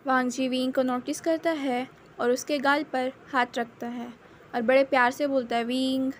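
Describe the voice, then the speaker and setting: Female story narrator, high pitch, steady plain telling, faint noise behind. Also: moderate pace. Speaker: fan fiction narrator. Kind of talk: narrating her own fan fiction.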